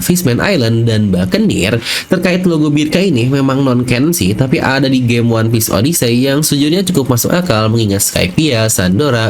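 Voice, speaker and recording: A man's voice: medium pitch, slight background noise. A man hosting a channel, narrating fan theories in a chatty, step-by-step way with casual fillers. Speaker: channel host.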